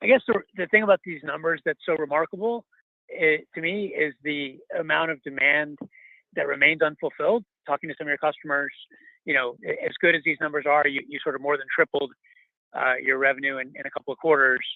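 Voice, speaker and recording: A man's voice: a little high, fairly even intonation, fairly quick, creaky, no room sound. A man speaking as a financial analyst, asking a question on an earnings call. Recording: dry narrow phone line.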